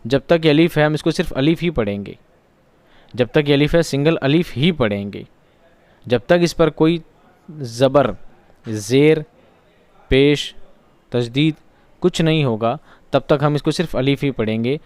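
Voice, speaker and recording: Male online teacher, smooth voice in a dry close recording. Quizzes himself and repeats key words. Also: a little high, normal speed, a little mellow, dry recording. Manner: asks questions and answers them himself. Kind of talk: exam-prep lesson.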